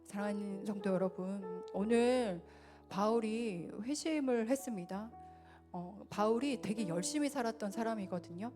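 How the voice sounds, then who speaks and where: A woman preaching a sermon in a church, earnest and swelling louder then dropping soft. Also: medium pitch, normal speed, faint music behind. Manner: earnest, rises and falls in loudness. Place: church sanctuary.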